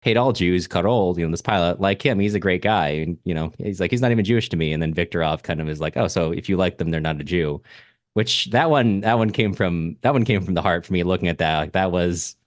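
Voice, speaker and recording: A man's voice: sits low, fast, dry recording, studio quality. A man co-hosting a book podcast, talking casually in an informal, rambling way. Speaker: podcast co-host. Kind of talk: casual literary discussion.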